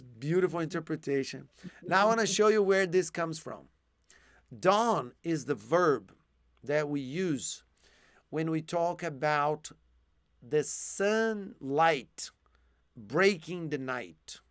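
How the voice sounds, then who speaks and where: Over a video call, a male English teacher patiently and slowly explains vocabulary in a live one-to-one online lesson, with lots of ums and restarts. His slightly high voice has lively intonation and sounds dry and close, with no echo. He is starting to lose his voice.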